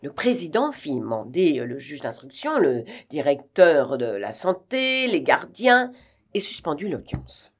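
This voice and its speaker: Low-voiced woman reading a novel aloud. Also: unhurried, slightly rough. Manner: steady reading with occasional fillers. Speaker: audiobook reader. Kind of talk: read-aloud narration.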